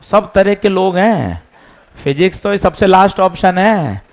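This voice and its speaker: Male physics teacher, slightly high voice, slow, patient drilling, repeats steps. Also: expressive. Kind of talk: classroom lesson.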